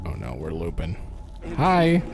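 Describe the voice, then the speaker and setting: A man's voice: low voice, wildly swooping pitch, unhurried, music in the background. A young man casually commenting as he plays a horror game, rambling and thinking aloud. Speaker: gaming channel host. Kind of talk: casual let's-play commentary.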